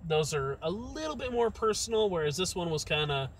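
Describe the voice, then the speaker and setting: A man's voice: high voice, big pitch swings, fairly quick. A young man chatting casually to his live-stream viewers from inside a car, rambling in a friendly way. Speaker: massage therapist vlogger. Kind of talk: casual live-stream chat while driving. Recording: loud road and car noise.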